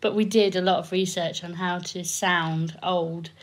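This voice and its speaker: A woman's voice: on the low side, fairly even intonation, a little slow. A young woman from northern England with traces of a northern English accent, bantering casually and swearing as a podcast co-host. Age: young adult. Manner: giggly, sweary. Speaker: podcast co-host and amateur voice actor. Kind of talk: casual banter over bloopers.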